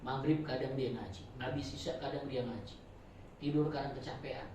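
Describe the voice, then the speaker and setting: A man teaching a religious study circle in a chatty, joking sermon style, swinging between loud and soft. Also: mid-range voice, fairly even intonation, moderate pace, background noise. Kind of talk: informal sermon. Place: prayer room. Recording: very echoey room, voice from far off.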